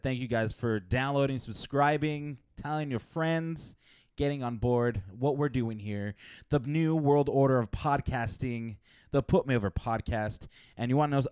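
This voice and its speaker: A man's voice: mid-range voice, a little mellow, smooth, no room sound. A man hosting a casual podcast, playfully introducing co-hosts and reading sponsor spots. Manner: playful, hyping up guests, joking. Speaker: podcast host. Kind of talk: casual podcast chat and ad reads.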